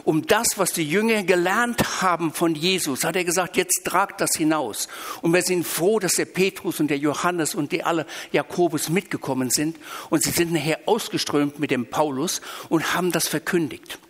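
A man from Switzerland, preaching a sermon with emphatic, drawn-out stressed phrases. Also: fairly high pitch, a bit bright. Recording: reverberant hall.

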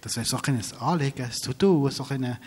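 A man speaks as a guest in a faith-based conversation. He talks haltingly, breaking off and restarting as he searches for words. His voice is at a middle pitch for a man. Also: a little mellow, husky.

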